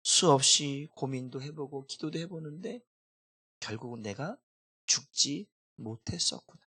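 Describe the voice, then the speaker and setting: A middle-aged man preaching a sermon as pastor, emotional, swinging between loud cries and hushed confession. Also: mid-range voice, animated, a little slow, breathy edge.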